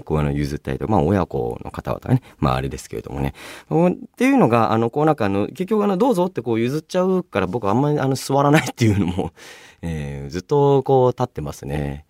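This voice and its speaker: A man hosting a casual solo radio show, chatting and reading out listener mail in a polite but chatty, animated way. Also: sits low, no room sound, clean studio sound. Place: radio studio, dry sound.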